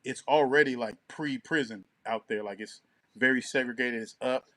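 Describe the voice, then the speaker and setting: A man's voice: mid-range voice, moderate pace, sharp tone. A man co-hosting an online show, chatting casually with heavy slang.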